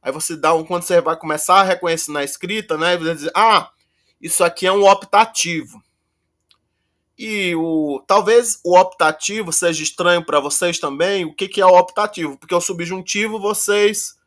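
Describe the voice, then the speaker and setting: A man teaching Greek in a casual online lesson, halting and self-correcting, reciting verb endings slowly. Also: high-pitched.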